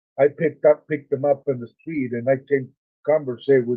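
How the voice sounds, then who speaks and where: A man with a medium-pitched voice speaks with a Spanish accent. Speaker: caller in training. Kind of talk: casual chat. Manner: halting.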